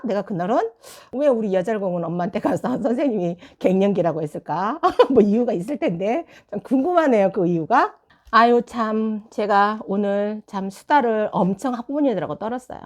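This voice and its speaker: A woman in her forties, a tutor of a small study room, casually telling stories and acting out what parents said to her. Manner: animated, acts out quoted parents in higher voice, laughs often. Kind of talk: casual storytelling vlog.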